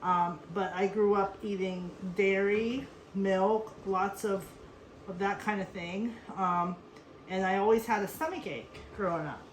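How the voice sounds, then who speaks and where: This cooking show host from Western Pennsylvania speaks in a mid-range voice at a measured pace. She keeps her demonstration casual and instructive, chatting freely and drifting into asides. Echo and clear background noise fill the recording.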